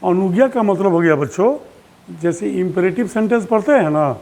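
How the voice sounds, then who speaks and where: A man's voice: high-pitched, animated, a little fast, a little mellow. A male teacher giving a lesson to pupils, patiently repeating forms aloud and asking them questions. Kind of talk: online classroom lesson.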